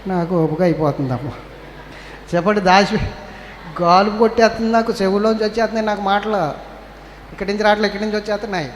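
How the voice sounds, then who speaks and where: Male pastor, Telugu accent, exhorting sermon, high voice, long hall reverb. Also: quick pace, long pauses, slight background noise. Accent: Telugu, Andhra Pradesh. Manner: calls on the congregation to answer, scolds and exhorts. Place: church hall. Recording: echoey church hall with faint ambience.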